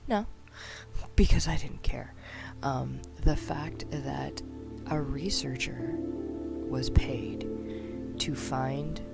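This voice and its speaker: Soft whispery meditation host lady, slow and um-filled, loud music going behind her. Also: a bass voice, gravelly. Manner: soft half-whispered, with many ums. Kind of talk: soft-spoken casual chat.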